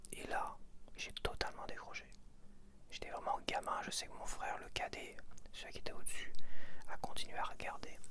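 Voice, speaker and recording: Male ASMR host from France, fully whispered and breathy; intimate, unscripted rambling with halting phrasing, spoken to one listener. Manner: hesitant, halting, intimate, addresses one viewer informally.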